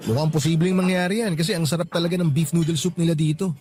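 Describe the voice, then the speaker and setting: A man with a Filipino accent acting as an affectionate, easygoing boyfriend in a radio romance drama, speaking in a conversational, expressive way. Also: a little high, quick pace, lightly acted. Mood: cheerful, relaxed.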